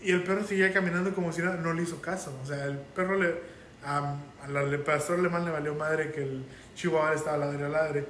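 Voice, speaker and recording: A man's voice: fairly high pitch, fast talker, reverberant, slight background noise. A man from Mexico with a Mexican Spanish accent, telling anecdotes animatedly in casual podcast chat. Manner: animated storyteller.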